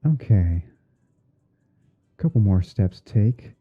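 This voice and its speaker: A man with a very deep voice talks through an editing task on an ASMR stream. He is unhurried, half talking to himself as he works. The audio is narrow and muffled, like a phone line. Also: lively intonation, slightly rough. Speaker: streamer hosting a roleplay. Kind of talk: ASMR livestream, narrating photo editing step by step.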